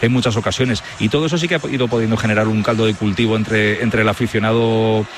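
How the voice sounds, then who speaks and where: A man with a lowish voice gives football analysis on sports radio. He talks fast and lays out long arguments, often restarting phrases mid-thought. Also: steady tone, noisy background.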